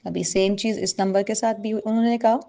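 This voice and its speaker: A woman's voice: mid-range voice, fairly even intonation, brisk, creaky, dark tone. A woman tells a personal devotional testimony to a congregation, earnestly and often addressing her listeners directly.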